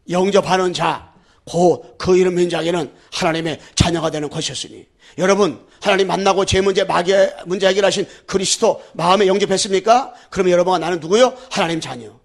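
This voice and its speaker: Male pastor, fervent sermon delivery, high gravelly voice, call-and-repeat with the congregation. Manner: fervent preaching, with sudden loud declarations and low asides.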